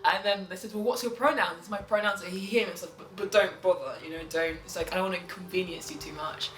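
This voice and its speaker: A trans man telling a story in a lively way, acting out what others said, in a documentary interview. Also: medium pitch, fast talker. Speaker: interviewee, director of an organisation. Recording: roomy, slight noise.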